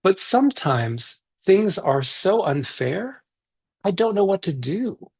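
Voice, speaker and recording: A man, a children's author, reading his picture book aloud in a lively, expressive way over a video call. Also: high voice, takes it slowly, slightly rough.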